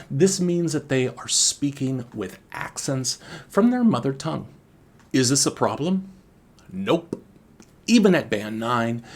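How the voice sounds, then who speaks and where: A man teaching exam speaking skills in a scripted video lesson, speaking deliberately with expressive intonation. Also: mid-range voice, slightly rough. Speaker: IELTS teacher and former examiner.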